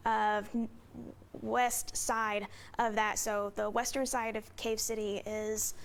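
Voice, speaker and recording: A female TV meteorologist walks viewers through radar and local roads. Her voice sits fairly high. She explains steadily, with frequent fillers as she talks. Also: level tone, slow. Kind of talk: live severe weather coverage.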